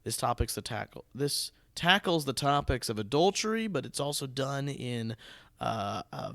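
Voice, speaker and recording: A man with an American accent hosts a casual podcast conversation. His mid-pitched voice wanders through restarted sentences. The sound is dry, with very little room in it. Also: animated, normal speed, creaky, fairly bright tone, no echo. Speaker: podcast host and theatre producer.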